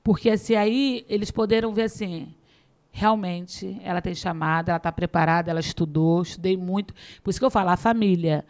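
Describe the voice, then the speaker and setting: A middle-aged woman pastor telling her testimony in a podcast interview, lively and acting out the dialogue, often laughing. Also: on the low side, fairly quick. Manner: animated storytelling, acts out dialogue, laughs often.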